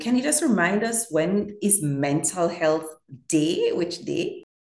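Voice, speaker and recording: Audible room echo colors this recording. A woman speaks at a fairly slow pace. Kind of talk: radio interview.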